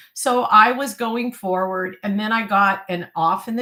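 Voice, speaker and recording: A woman with an American accent and a bright, sharp tone talks at a fairly slow pace. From US Midwest, Illinois. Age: 60s. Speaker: author and spiritual medium. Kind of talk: interview testimony.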